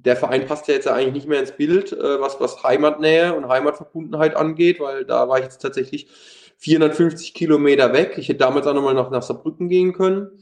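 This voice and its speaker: Male, 30s, Palatinate German accent, ex-footballer in interview, halting delivery, roomy echo. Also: fairly high pitch, darkish tone. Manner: hesitant, many fillers and restarts. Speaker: former pro footballer, youth coach. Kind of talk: interview, casual talk.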